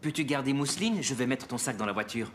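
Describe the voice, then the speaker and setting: A man playing a patient, easygoing father in a children's cartoon dub, speaking gently and encouragingly. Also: mid-range voice, animated, fast, lightly acted. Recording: clear background noise and ambience.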